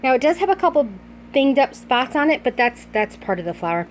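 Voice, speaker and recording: Breathless, fast-talking woman vlogger. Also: high voice, very animated, a little hiss or hum. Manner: fast, chatty, self-interrupting. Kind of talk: casual haul vlog.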